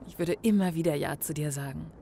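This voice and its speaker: An actress playing a woman in love who speaks softly and jokes with her partner. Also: sits low, quick pace, vocal fry, slight background noise. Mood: affectionate. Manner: soft, affectionate, joking. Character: happy woman in love, planning a wedding.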